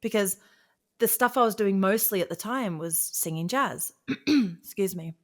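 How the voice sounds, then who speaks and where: A woman speaking as an interview guest, telling personal stories in a casual, conversational and animated way. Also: mid-range voice, a little slow. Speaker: guest, singer and vocal coach.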